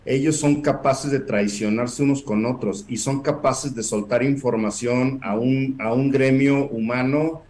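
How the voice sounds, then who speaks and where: Mid-pitched male guest, measured and explanatory, pausing often. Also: steady tone, a little mellow, a little hiss or hum. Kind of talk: casual online debate.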